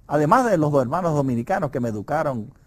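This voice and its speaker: A man's voice: a little high, lively intonation, fast talker, a little mellow. A middle-aged Puerto Rican man with a Puerto Rican Spanish accent, leading a conversational Bible study lesson in an emphatic, preacherly way. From Puerto Rico.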